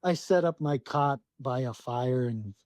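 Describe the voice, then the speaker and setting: A man's voice: mid-range voice, a little slow, darkish tone, no echo. Salty storytelling man from Alaska. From Southwest Alaska. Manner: salty, swears freely, acts out his own thoughts. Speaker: podcast guest. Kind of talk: casual storytelling.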